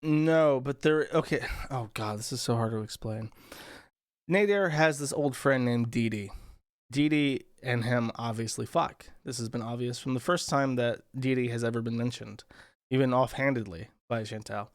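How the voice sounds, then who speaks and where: A man chatting casually, winding through a rambling, profane story. His pitch sits mid-range. The sound is close and dry. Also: moderate pace, no echo. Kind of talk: casual chat.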